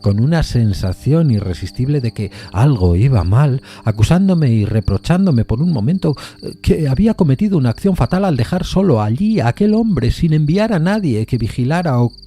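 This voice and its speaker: A man narrating a literary suspense story in a measured, solemn manner. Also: medium pitch, sing-song, mellow.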